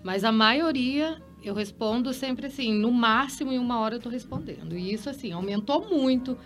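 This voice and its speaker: A woman's voice: fairly high pitch, lively intonation, moderate pace. Emotional woman wedding planner, faint music. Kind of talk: casual panel chat.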